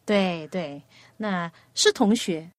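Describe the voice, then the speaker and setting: A woman hosting a children's radio program, asking a young guest patient, coaxing questions and telling a gentle story. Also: lowish voice, takes it slowly, dry recording, studio quality.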